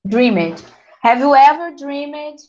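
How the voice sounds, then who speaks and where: Woman teacher, bright-ish voice, easygoing class chatter over a muffled call. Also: high-pitched, animated, drawn-out words. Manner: chatty, encouraging, laughs easily. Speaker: English teacher. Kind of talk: online class, casual teaching.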